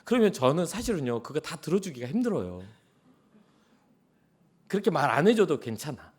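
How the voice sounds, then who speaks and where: A middle-aged man preaching a sermon as a church pastor, in a conversational way, acting out quotes and sometimes dropping to a soft whisper. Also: on the high side, very animated, brisk, slightly rough. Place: church sanctuary.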